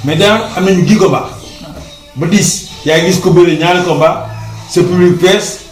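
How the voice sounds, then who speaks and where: A man's voice: high-pitched, moderate pace, distant mic. A Senegalese-accented man hosts the conversation in a slightly raised voice, nodding along with short replies. The sound is roomy and set back from the mic. Faint music runs underneath. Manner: agreeable, frequent back-channel responses. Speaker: sports show interviewer. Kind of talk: conversational interview, mixing two languages.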